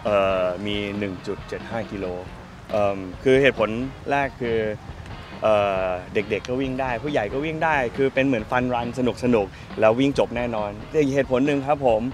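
A man in his thirties chatting in a friendly, halting way to press microphones at an outdoor park event. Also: medium pitch, over music. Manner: friendly, pausing, polite particles. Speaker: celebrity guest at a charity run. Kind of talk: casual press interview. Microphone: press microphones held close.

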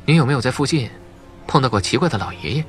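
A man voicing a calm, watchful adult man, matter-of-fact and cautionary, frank with children, in an audiobook story. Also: mid-range voice, fast talker, soft background music, lightly acted. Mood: probing. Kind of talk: audiobook character dialogue.

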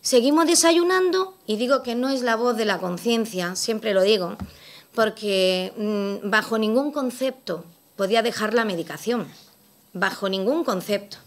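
Middle-aged woman from Spain, slightly high pitch, emphatic testimony with lots of repetition. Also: unhurried. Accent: Spanish from Spain. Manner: repeats words for emphasis, vivid storytelling. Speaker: event speaker giving a testimony. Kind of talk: personal testimony to an audience.

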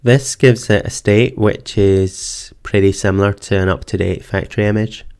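A man narrating a screen-recorded computer tutorial, calmly explaining each step in order. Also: fairly low pitch, moderate pace, creaky, smooth. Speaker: tech tutorial presenter. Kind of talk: screen-recorded software walkthrough. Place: voice-over for screen capture.

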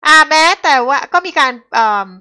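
A woman's voice: sits high, fairly quick, bright, forceful tone. A woman commenting on the news in a talk show, polite at first and growing heated and emphatic.

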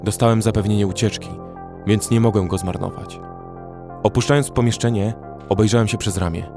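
A man's voice: on the low side, steady tone, fairly quick. A man giving dramatic first-person scripted narration of a horror story. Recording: faint music behind.

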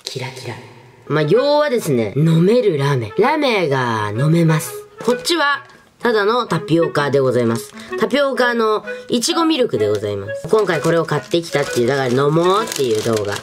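Young woman chatting, very lively pitch. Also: fast. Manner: chatty, animated, informal. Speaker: vlogger. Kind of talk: casual chat to camera, product review. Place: small furnished room indoors. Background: background music.

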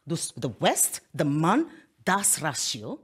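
Husky-voiced woman giving an animated keynote. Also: sits low, slow. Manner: animated, gesturing widely, many restarts and repeated words. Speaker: keynote speaker. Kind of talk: keynote talk. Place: studio in front of a plain backdrop.

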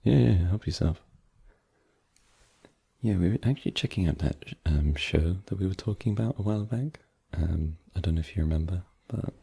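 A man's voice: low-pitched, moderate pace, creaky, warm tone, slightly rough, full character voice. A young man voicing an easygoing boyfriend in an ASMR roleplay, hesitant and filler-heavy, turning teasing. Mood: relaxed. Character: easygoing young adult boyfriend hosting friends.

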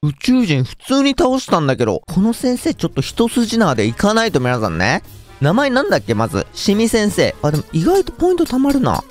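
A young man with a lilt, commentating a game in an excitable, joking way. His pitch jumps around a lot and sits a little high. Faint music plays behind him. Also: a little fast. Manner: excitable, jokey, talks to viewers. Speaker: gaming YouTuber.

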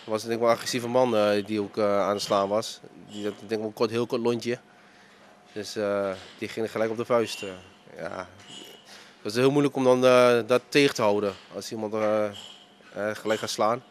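A man's voice: lowish voice, fairly even intonation, moderate pace, a little hiss or hum. A man in his thirties, a restaurant owner, answering a news interview in his dining room into a handheld mic, hesitant with many fillers. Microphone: handheld reporter mic.

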